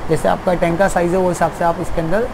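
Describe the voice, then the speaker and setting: A man's voice: high voice, level tone, fast talker, vocal fry, background noise. A young man who runs an aquarium shop, explaining at length in a casual, repetitive way, seated in his small shop.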